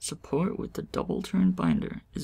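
The voice is soft-spoken. The background is quiet. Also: man. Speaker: ASMR reader. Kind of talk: ASMR soft spoken reading of an old medical book with sarcastic commentary. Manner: soft-spoken, sarcastic. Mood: dry sarcastic commentary.

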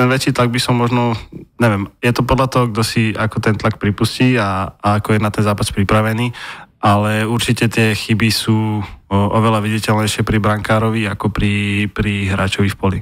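Monotone, flat intonation against a quiet background. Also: man, moderate pace, very even loudness. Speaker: guest. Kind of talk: interview answer. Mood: calm, thoughtful. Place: studio. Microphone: studio mic.

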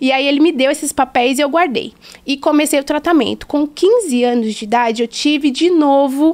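A woman with a high-pitched voice talks at a moderate pace, her pitch varying in an ordinary way. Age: 20s. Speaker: patient advocate on social media; podcast guest. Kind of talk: interview testimony. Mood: earnest, personal story. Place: studio. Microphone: studio mic.

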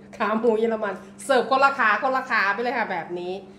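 There is audible room echo and light background noise. A woman talks with ordinary pitch variation. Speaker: food vlogger. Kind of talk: casual vlog chat while eating. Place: home room. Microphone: camera far.

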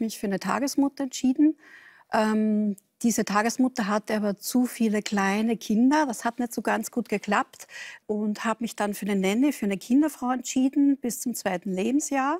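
Against a quiet background, a woman speaks at a moderate pace. Her pitch is fairly high with ordinary variation. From Austria. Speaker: self-employed author, career mother; talk show guest. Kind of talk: TV talk show discussion. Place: studio. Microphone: lapel.

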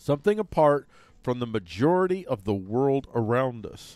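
A man is heard against a quiet background, the sound dry with no echo. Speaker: commentary channel host. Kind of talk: commentary reading an essay aloud.

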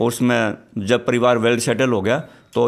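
Monotone, flat intonation marks a man's medium-pitched voice. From Haryana. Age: 60s. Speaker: retired engineer and masters athlete. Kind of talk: interview. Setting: at home. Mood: proud, earnest. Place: home room. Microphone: handheld.

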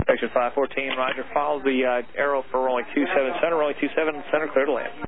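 A man speaks at a very fast pace in a monotone, flat intonation. The sound is dry with no echo, and there is noticeable background noise. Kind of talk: radio instructions. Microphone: two way radio.

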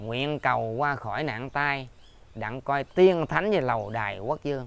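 In a dry recording with no echo, a man with a fairly high pitch talks at a fairly slow pace in a normal speaking voice. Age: 60s. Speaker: lay Buddhist preacher. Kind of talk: religious teaching talk. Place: open country. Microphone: lapel.

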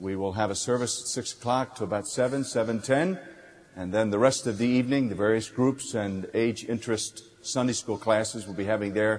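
Pitched fairly low, this man has an ordinary speaking voice, talks at a moderate pace, and shows ordinary pitch variation. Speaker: pastor. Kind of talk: church announcements. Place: church.

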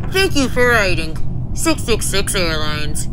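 A put-on character voice speaks at a fairly slow pace. Loud background noise runs underneath.

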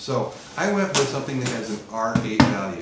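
A man talks at a fairly quick pace. Noticeable background noise and audible room echo surround him. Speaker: presenter. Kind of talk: tutorial. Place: garage.

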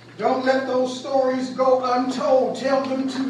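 There is noticeable background noise and a strong echo from the room. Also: man. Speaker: preacher giving the eulogy. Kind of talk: sermon, preacher in full flow, building call-and-response to a rousing climax. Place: church. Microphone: camera far.

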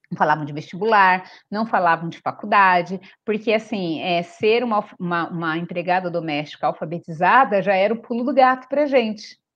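A woman at a moderate pace, with ordinary pitch variation, against a quiet background. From Piracicaba, São Paulo state, Brazil; São Paulo state, Brazil. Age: 40s. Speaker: nutritionist; guest. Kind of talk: interview conversation. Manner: halting, frequent repetitions. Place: home room. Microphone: video call.

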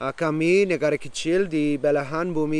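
At a fairly slow pace, a man with an unremarkable speaking voice talks at a fairly high pitch in a dry sound with no echo. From New Zealand. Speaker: language learner vlogger. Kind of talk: monologue, language challenge video. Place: garden. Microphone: phone near.

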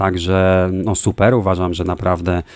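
This man's voice is very deep and low. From Poland, Kujawy. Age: 30s. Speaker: gaming YouTuber. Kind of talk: gameplay commentary Q&A. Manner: casual, hesitant fillers.

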